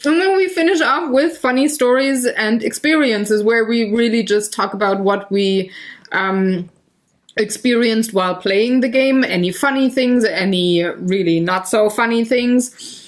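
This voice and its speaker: A woman's voice: a little high, a little slow. German-accented woman, playful podcast host. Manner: playful, laughs often, self-mocking. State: coughing, using cough drops. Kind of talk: casual chat.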